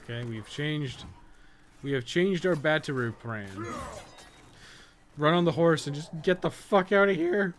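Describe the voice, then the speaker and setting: A man's voice: fairly high pitch, animated, unhurried, pauses often. A man giving casual live gameplay commentary as a streamer, swearing casually. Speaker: game livestreamer. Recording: clearly noisy background.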